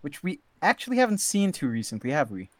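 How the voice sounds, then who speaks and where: Southeast Asian-accented male co-caster, lively pitch, dry close sound, relaxed and analytical. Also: quick pace, no room sound. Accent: Southeast Asian English. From Southeast Asia. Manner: relaxed, easily amused, thinking aloud. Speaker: esports co-caster. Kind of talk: analytical color commentary.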